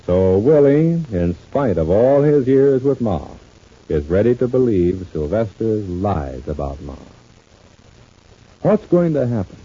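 Old-time radio announcer, a man, very dark tone. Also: lowish voice, sing-song, unhurried, slightly rough. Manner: polished salesman delivery. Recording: muffled, dull old radio recording.

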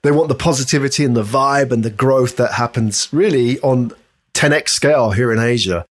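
A man's voice: medium pitch, normal speed. A man hosting a casual interview, chatty and rambling as he puts questions to his guest. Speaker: podcast host interviewing a guest.

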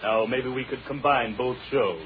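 A man's voice: mid-range voice, normal speed, natural voice. An actor playing a grandiose, bumbling flea circus showman in 1940s radio comedy, with hesitant showman's patter. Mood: grandly boastful. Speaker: comic supporting player in a radio show. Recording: dull old radio recording, loud studio audience.

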